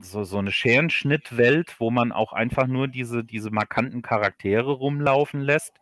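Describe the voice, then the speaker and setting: A man chatting casually as an interview guest, explaining things haltingly and repeating words as he thinks. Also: mid-range voice, fairly bright tone, no echo, studio quality. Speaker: audio drama author, livestream guest.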